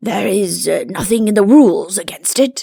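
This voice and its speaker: In a raspy, put-on character voice, the speaker takes on a pompous tone at a moderate pace. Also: woman. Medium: read story. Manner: pompous, self-satisfied.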